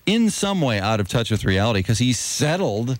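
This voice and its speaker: A man's voice: mid-range voice, sing-song, normal speed, dry recording. A man with an American accent bantering casually as a morning radio host, close on a studio mic. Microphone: close broadcast studio microphone with headphones.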